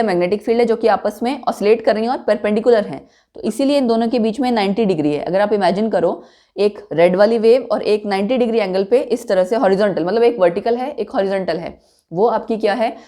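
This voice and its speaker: A woman's voice: mid-range voice, fast talker, mellow. A woman teaching a chemistry lecture, explaining step by step and checking with her students as she goes. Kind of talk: classroom lecture mixing Hindi and English.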